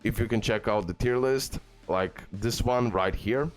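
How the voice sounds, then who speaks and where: A man's voice: fairly low pitch, unhurried. A man giving casual game guide commentary, enthusiastic and full of fillers. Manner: enthusiastic, repeats "guys" and "okay", filler-heavy. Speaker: gaming YouTuber. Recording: faint background music.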